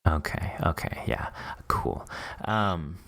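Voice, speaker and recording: A man with a fairly low voice acts as host of a behind-the-scenes interview. He speaks in a casual, conversational way, putting questions and comments to his guest. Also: wildly swooping pitch, slow pace, fairly bright tone.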